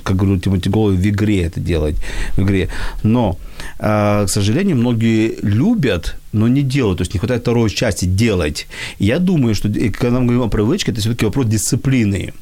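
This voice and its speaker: A man's voice: fairly low pitch, brisk, warm tone. A man with a Belarusian accent hosting a casual live discussion, restating his points for emphasis as he goes. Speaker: host. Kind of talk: casual live discussion, answering viewer questions.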